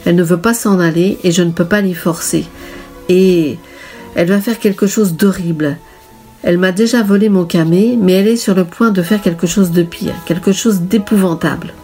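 A frightened middle-aged widow pleads in distress, as a woman reads her part. The pitch sits on the lower side. It is an audiobook character reading. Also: fairly even intonation, moderate pace, dark tone, soft background music, natural voice.

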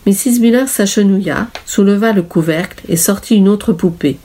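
A woman narrating a story in a measured, even reading manner. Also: mid-range voice, husky. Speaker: audiobook narrator.

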